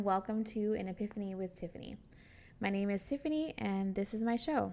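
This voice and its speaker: A woman's fairly quick, ordinary speaking voice at a medium pitch with ordinary pitch variation. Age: 30s. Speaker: podcast host. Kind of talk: solo podcast monologue.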